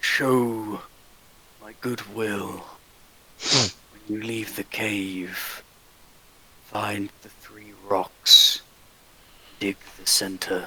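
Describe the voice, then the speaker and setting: Using a put-on character voice, a man talks at a very slow pace and fairly low pitch, leaving long, frequent pauses. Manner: deep, commanding.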